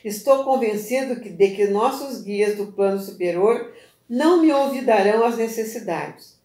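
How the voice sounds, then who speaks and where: A woman gives voice to a frail, dying man of faith who speaks gently and slowly, his words broken by labored breath. It is an audiobook-style reading captured on a phone in a room with noticeable echo. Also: mid-range voice, expressive, natural voice. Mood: weary calm. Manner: soft, slow, breathy pleading.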